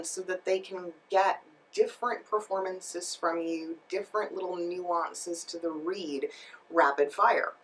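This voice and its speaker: Speaking directly to her viewers, a woman with a lowish voice gives emphatic instructional tips to camera as a voice-over coach and host. The recording is rough and sounds distant.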